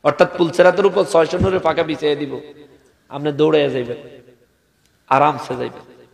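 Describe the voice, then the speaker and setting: A Bangladeshi man preaches in a regional Bengali accent, pitched a little high, with a gravelly rasp. He keeps prompting his listeners to answer back. His voice rings out with long reverb, as in a big hall. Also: steady tone, brisk. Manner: calls on the crowd to respond. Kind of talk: animated sermon with dramatized quotes.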